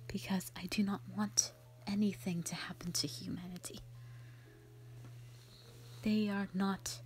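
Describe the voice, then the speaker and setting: A woman voicing a gentle, ancient black dragon, a protective and sorrowful elder sister, in a hushed, breathy, halting dramatic monologue. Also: fairly low pitch, lightly acted. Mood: solemn, weary. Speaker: audio roleplay performer. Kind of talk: soft whispered dramatic monologue, ASMR-like.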